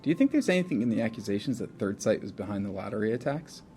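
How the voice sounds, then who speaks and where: An actor playing an earnest radio interviewer in an audio drama, asking formal, pointed questions. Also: male voice, lowish voice, sing-song, rapid-fire, dark tone, faint music behind. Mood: probing. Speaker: interview show host.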